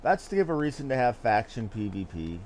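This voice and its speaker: A man's voice: mid-range voice, big pitch swings, fairly quick, a little mellow, slight background noise. A man giving casual, offhand gameplay commentary with geeky asides as he streams. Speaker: game streamer.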